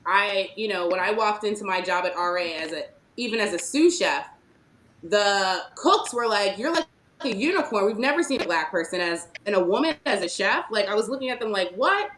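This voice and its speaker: A woman's voice: medium pitch, lively intonation, normal speed, a bit bright, slight background noise. Woman, chef, panel talk, earnest, emphatic, echoey room. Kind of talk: panel discussion, personal story.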